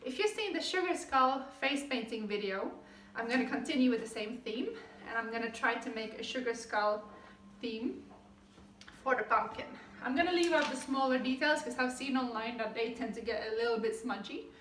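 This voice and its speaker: A woman's voice: on the high side, moderate pace, a bit bright, slight background noise. Cheerful woman, echoey room. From Finland. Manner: cheerful, chatty, upbeat. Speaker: craft vlogger. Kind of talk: casual how-to vlog. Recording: echoey room, mic at a distance.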